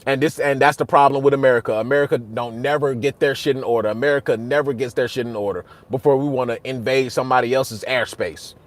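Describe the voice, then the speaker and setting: A young man hosting a casual livestream, talking back to his chat in a heated, repetitive way that gets loud and high when he is worked up. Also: steady tone, fast, few pauses. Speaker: host.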